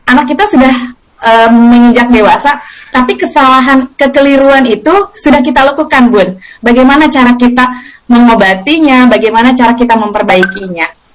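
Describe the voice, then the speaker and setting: A woman's voice: on the high side, moderate pace, muffled recording. A woman from the audience asks the speaker a question at a religious talk, hesitating with fillers. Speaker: audience member asking a question.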